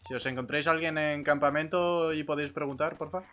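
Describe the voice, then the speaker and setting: A man's voice: a little high, fairly even intonation, fast talker, bright, forceful tone, lo-fi sound. A man chatting casually in character while playing an online roleplay game, speaking into a close microphone.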